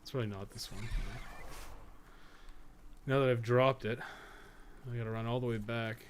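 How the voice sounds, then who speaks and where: A man's voice: mid-range voice, fairly even intonation, normal speed, noisy background. A man giving casual live gameplay commentary, rambling and thinking aloud in loose, sometimes profane language. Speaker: podcast co-host and gaming streamer.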